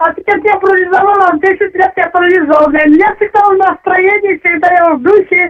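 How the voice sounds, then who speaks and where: Extremely high pitch from a woman at a fairly quick pace, with hardly any pauses, fairly even intonation and very even loudness. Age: 70s. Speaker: caller, retired grandmother. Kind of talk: call-in testimony. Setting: phone call.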